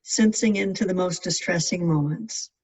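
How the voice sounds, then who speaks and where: A meditation guide giving gentle, measured instructions in spaced-out phrases. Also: medium pitch, slightly rough. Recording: distant mic, dull lo-fi sound.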